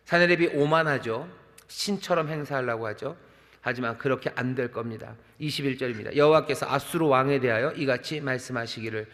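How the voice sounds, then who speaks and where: A middle-aged man preaches a sermon in a large church sanctuary, and his voice rings out with a long hall reverb. He drives his points home by repeating key phrases and putting rhetorical questions to the congregation. His voice sits at an ordinary middle pitch for a man. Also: fairly bright tone. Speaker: senior pastor.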